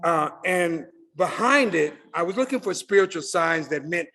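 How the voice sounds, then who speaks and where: Bright, earnest man telling a story in a hall. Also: fairly high pitch, normal speed. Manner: earnest, animated, leads call-and-response. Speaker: club member presenting a carved peace pole. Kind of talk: informal storytelling talk to a meeting. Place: meeting hall. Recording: reverberant hall.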